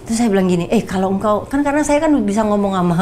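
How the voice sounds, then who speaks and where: Lively woman. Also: racing, a little hiss or hum. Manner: animated storytelling, acting out quotes in a high voice. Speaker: guest giving a testimony. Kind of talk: casual interview testimony.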